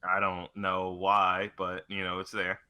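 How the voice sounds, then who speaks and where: A man with a very bright, forceful voice on the low side, co-hosting a video game chat. He explains things informally, like retelling a story to a friend. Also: completely flat delivery, a little slow. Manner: informal, loose storytelling with mild swearing. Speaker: podcast co-host. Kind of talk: casual chat about video games.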